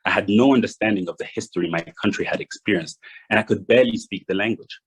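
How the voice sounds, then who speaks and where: A young man from Rwanda giving a prepared address, measured and read from notes with small restarts. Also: lowish voice, breathy edge, low-quality recording. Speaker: guest speaker.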